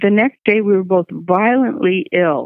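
Here is a woman with a Canadian accent and an unremarkable speaking voice. She talks fairly slowly with lively intonation. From Canada. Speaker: personal story contributor. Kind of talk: personal testimony.

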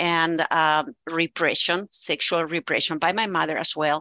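Against a quiet background, a woman with a fairly low pitch and a bright, sharp tone talks at a fairly slow pace in a dry, close sound with no echo. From Spain, Barcelona. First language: Spanish/Catalan. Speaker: writer and former professor. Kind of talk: interview.

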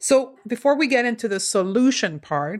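A woman with a French accent speaks at a fairly slow pace on a very clean recording with a silent background and a dry, close sound with no echo. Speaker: podcast host and clinical nutritionist. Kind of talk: interview on health podcast.

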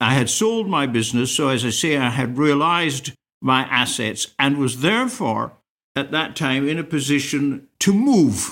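A man with a Scottish accent, fairly high pitch, lively intonation and a moderate pace. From northern Scotland. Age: 80s+. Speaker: retired vet and businessman, guest. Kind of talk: casual interview chat.

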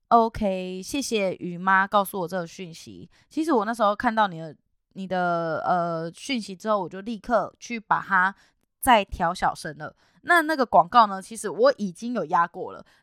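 A woman with a Taiwanese accent at a medium pitch and a fairly slow pace, lively in intonation and with big swings in loudness, in a very clean recording with a silent background and a dry, close sound with no echo. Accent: Taiwanese Mandarin. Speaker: podcast host. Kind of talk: casual monologue.

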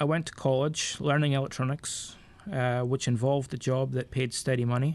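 A man's fairly high-pitched speech at a moderate pace, with fairly even intonation. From Scotland, coastal fishing village. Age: 40s. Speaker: churchgoer telling life story. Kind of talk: testimony.

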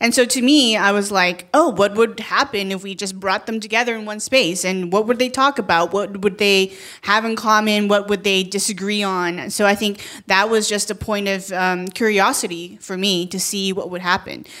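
A woman's ordinary speaking voice at a medium pitch, with fairly even intonation, a moderate pace and hardly any pauses. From Vancouver, Canada. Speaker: documentary filmmaker. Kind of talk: live panel discussion. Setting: stage with audience.

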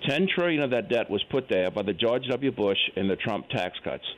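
Speaking in a plain, everyday voice, a man of medium pitch talks at a moderate pace with lively intonation. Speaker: caller. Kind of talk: call-in political opinion. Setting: phone call.

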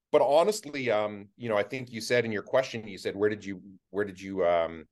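The speaker is a man. He has a Canadian accent. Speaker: local elected official. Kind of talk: interview. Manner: halting.

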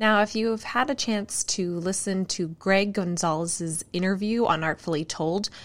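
A woman speaks at a moderate pace in a medium pitch. She has a normal speaking voice with ordinary pitch variation. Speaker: podcast host. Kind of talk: interview, casual conversational.

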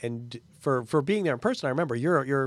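The man's intonation is lively. He speaks very fast. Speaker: podcast host. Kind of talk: casual interview chat. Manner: quick, joking.

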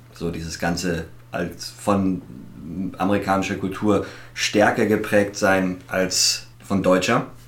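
A man talks at a very slow pace in a very deep, low pitch with vocal fry and ordinary pitch variation. Room echo is audible. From Germany, Erlangen (Franconia). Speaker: podcast host. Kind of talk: casual chat.

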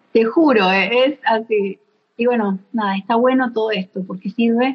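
A woman talks with an Argentine accent. Her pitch varies in an ordinary way. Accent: Argentine Spanish (Rioplatense). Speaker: acupuncturist and holistic coach. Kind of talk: interview conversation.

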